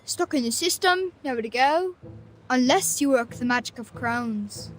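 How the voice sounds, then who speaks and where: An actress playing a cheeky, streetwise young arcanist in a video game, teasing, theatrical and talkative. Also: female voice, sits high, lively intonation, moderate pace, rough recording. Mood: sardonic. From Bosnia and Herzegovina. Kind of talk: video game story voice acting. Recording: loud music under the voice.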